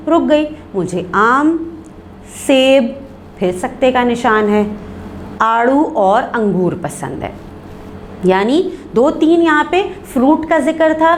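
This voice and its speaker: A woman teacher with a Pakistani Urdu accent giving an online class lesson, explaining slowly and reading examples aloud with stretched words. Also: fairly high pitch, slight background noise.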